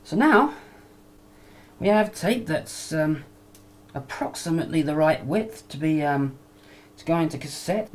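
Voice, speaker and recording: A woman giving a casual hands-on demonstration with a hesitant, halting delivery, picked up on a camcorder microphone. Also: deep voice, darkish tone. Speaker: hobbyist video maker, demonstrator. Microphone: camcorder microphone near the bench. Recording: noisy amateur camcorder sound.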